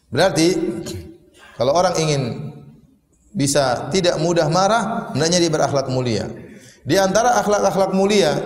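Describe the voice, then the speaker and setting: A man's voice: medium pitch, darkish tone. A man preaching a sermon, telling humorous stories with acted quotes and rhetorical questions. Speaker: Islamic preacher. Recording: echoey hall with long reverb.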